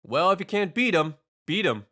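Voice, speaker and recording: Man narrating with very lively, swooping pitch. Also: moderate pace. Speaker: video essayist, reviewer. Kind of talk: scripted narration, video essay commentary. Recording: music bed under the voice. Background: background music.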